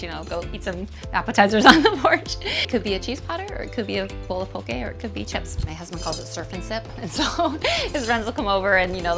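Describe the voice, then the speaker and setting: Chatty woman with soft music. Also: fairly low pitch. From Hawaii. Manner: chatty and warm, laughs often, drifting tangents. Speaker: homeowner giving a house tour. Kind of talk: casual home tour chat.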